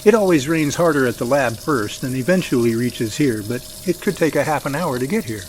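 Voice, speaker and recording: A man's voice: medium pitch, expressive, fairly quick, background noise, natural voice. A man playing an easygoing field researcher who coaxes playfully, in an amateur audio drama. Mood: coaxing.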